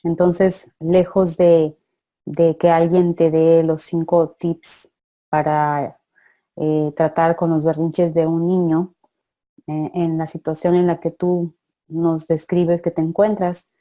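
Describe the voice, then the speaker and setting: A woman leading a women's faith session, responding to a participant in a calm, measured, affirming way. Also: deep voice. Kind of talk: guided spiritual teaching.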